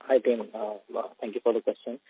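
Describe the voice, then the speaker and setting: A man's voice: lowish voice, level tone, fairly quick, breathy edge, no echo. A man asking an analyst's questions on a conference call. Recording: dry, narrow phone line.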